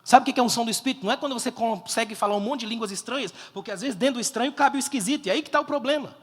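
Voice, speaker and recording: A man preaching a fervent sermon as a pastor, swelling to loud emphasis and quizzing the crowd. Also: extremely high pitch, rapid-fire. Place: church conference hall. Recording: long hall reverb.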